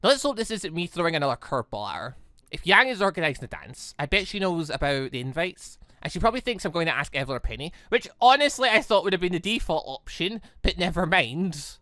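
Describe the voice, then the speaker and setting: Animated, bright-voiced game commentator. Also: mid-range voice, fast, no echo. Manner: rambling, thinking aloud. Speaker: gaming video host reading a visual novel aloud. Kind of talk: casual commentary.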